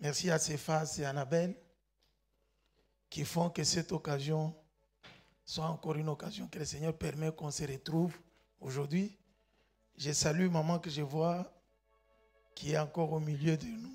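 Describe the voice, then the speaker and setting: A man speaks at a fairly slow pace with fairly even intonation and long, frequent pauses. Music plays in the background. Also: fairly high pitch for a man. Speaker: pastor. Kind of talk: sermon. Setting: church.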